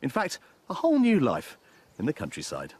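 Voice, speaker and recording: A man's voice: mid-range voice, wildly swooping pitch, normal speed, darkish tone, breathy edge. A man presenting a TV property show, delivering scripted narration in an upbeat way.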